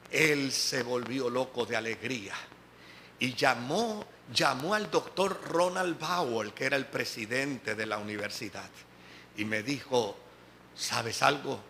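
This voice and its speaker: A man's voice: medium pitch, pushed and bright, slight background noise. A man with a Dominican Spanish accent, a pastor giving a sermon as a personal testimony, telling his story and acting out the voices of the people in it. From Dominican Republic. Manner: storytelling, acting out quoted dialogue. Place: church service.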